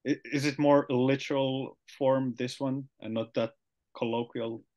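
A young man with a Finnish accent hosts a relaxed video-call chat. He speaks at an unhurried pace, pausing as he sounds out unfamiliar words, his voice of middling pitch in a small indoor room. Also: muffled recording. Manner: slow, hesitant, trying out new words. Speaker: podcast host. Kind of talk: casual video-call interview.

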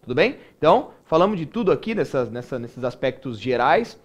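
A man's voice: medium pitch, sing-song, a little fast, muffled recording. A Brazilian man with a Brazilian Portuguese accent teaching a grammar lesson in a casual way, often checking in with the class. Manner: casual, keeps checking in with "né?" and "tudo bem?". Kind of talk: recorded online grammar lesson.

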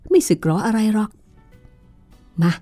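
A woman's voice: slow pace, warm tone, no echo, soft background music, close to an everyday voice. A woman reading aloud and voicing a villainous young man who sneers and taunts. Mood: leering.

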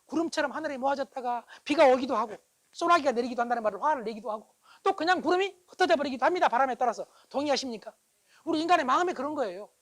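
A middle-aged man giving an animated public lecture. He keeps asking his audience whether they agree and swings from loud bursts to hushed asides. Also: extremely high pitch, very fast, poor audio. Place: lecture hall.

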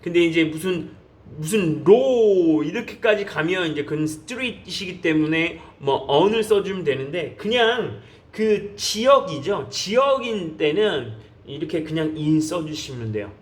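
Korean man, high voice, teaches English by drilling phrases slowly and coaxing learners. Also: expressive. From South Korea. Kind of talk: online English lesson.

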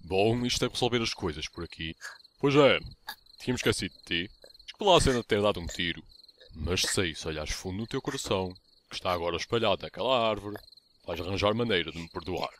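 A man's voice: low-pitched, expressive, fast, a little hiss or hum. Man acting a gleeful, swingy-voiced sarcastic vampire. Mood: mocking. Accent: European Portuguese. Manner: mocking, flippant, swinging into sudden outbursts. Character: gleeful, sarcastic male vampire, childish and bloodthirsty. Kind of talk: comedic parody anime fan dub. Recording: loud music behind voice.

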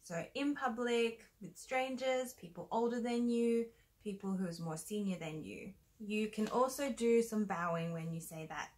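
A woman's voice: mid-range voice, moderate pace, a little mellow. A young woman co-hosting a beginner language lesson, explaining in a friendly way with small fillers. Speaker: Korean teacher, co-host.

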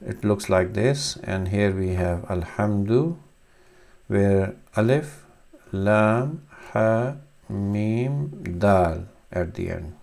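Slow, gravelly-voiced man teaching letters. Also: fairly low pitch, darkish tone. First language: Urdu. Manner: slow, halting explanation with many fillers. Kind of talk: screen-recorded reading lesson.

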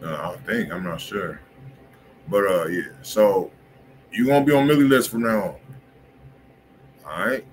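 A man's voice: fairly low pitch, moderate pace, long pauses, a little hiss or hum. A man hosting a music review livestream in casual, slangy talk, often checking in with his listeners. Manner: laid-back slangy talk, keeps asking "you feel me". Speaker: music review show host. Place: indoor home music studio room.

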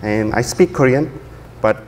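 Man, conference talk at a podium, mid-pitched voice, long hall reverb, faint background hum. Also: measured pace. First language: Urdu. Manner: relaxed, many fillers and restarts. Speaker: conference speaker. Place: large dark auditorium, at a podium.

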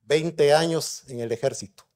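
A man's voice: on the high side, moderate pace, a little mellow. A middle-aged man, a neurosurgeon giving a conference lecture in a conversational way and putting rhetorical questions to the audience. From Guatemala.

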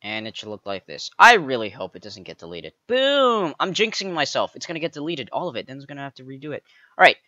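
A man narrating a step-by-step game building tutorial, counting blocks aloud with playful jokey asides and a slightly raspy voice. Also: mid-range voice, sing-song, quick pace, bright, forceful tone, no echo, lo-fi sound. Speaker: pixel art tutorial creator.

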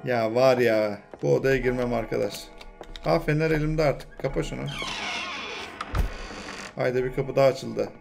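A young man commenting on a horror game he plays, talking to himself and the game, muttering low and breaking into frightened yells, his throat strained from shouting. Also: steady tone, normal speed, vocal fry, long pauses, music in the background. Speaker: gaming channel host.

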